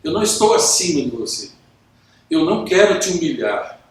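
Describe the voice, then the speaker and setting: A Brazilian man coaching business owners to camera, talking calmly and acting out both sides of workplace conversations. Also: on the high side, normal speed, far from the mic. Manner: acts out both sides of dialogues; calm, even tone. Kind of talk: instructional talk to camera. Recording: very echoey room.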